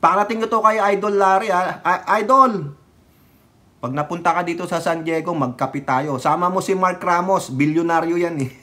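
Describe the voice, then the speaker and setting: A man's voice: high voice, fairly even intonation, normal speed, pushed and bright. A man vlogger delivering a political commentary rant, scolding and taunting, slipping into English and pressing with repeated questions. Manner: scolding, taunting, mixes in English, keeps asking "ha?" and "di ba?".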